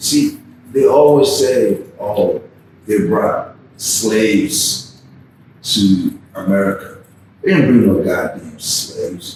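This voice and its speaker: Speaking very slowly with long, frequent pauses, a man is heard amid noticeable background noise and audible room echo. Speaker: business consultant. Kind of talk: casual podcast interview. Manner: animated, passionate.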